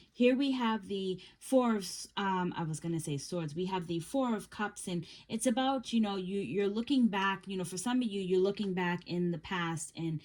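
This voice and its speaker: A woman giving a casual tarot reading, talking in a gentle, reassuring way and often halting with fillers and restarts. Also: medium pitch. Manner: gentle, reassuring second-person advice. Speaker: tarot reader.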